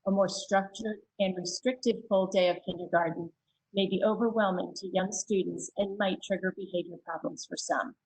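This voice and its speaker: A woman reading written public comments aloud at a school board meeting, steady and plain, with a few hesitant asides. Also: medium pitch, moderate pace, slightly rough, poor audio.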